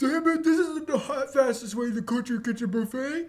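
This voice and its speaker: A high, put-on character voice does the talking. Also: moderate pace. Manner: crotchety, complaining.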